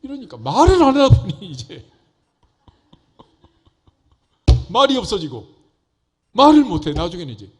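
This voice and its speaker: A man's voice: high voice, huge pitch swings, measured pace, long pauses. A male pastor giving a folksy, conversational sermon, often asking the congregation rhetorical questions.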